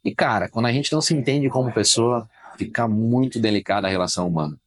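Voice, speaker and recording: A journalist, male, sits in as a guest for a laid-back podcast interview. His pitch is medium, and he delivers quick stories with firm, emphatic opinions.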